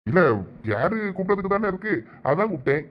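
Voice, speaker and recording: A man's voice: high voice, lively intonation, fast, very noisy. A man voicing a sly, scheming young man in a cartoon, with a Thoothukudi Tamil accent. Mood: coaxing. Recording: dull lo-fi sound.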